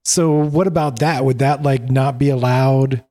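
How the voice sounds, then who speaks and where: A man's voice: medium pitch, fairly even intonation, measured pace, warm tone. A man on a podcast panel chatting casually, hesitant, with many fillers. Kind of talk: casual tech news chat.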